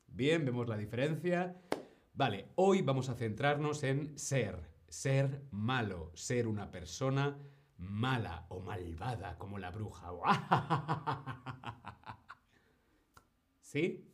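Slow, deliberate male Spanish teacher. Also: mid-range voice, expressive. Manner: slow, deliberate, repeats words and checks in with "¿sí?"; answers viewer questions from chat. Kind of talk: live-streamed language lesson.

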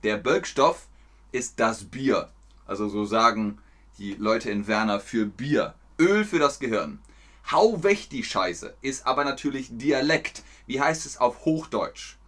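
A man giving an online German lesson, explaining phrases in a playful, unhurried way. His bright voice swings widely in pitch. Now and then he throws in silly sound effects. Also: expressive. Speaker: German teacher.

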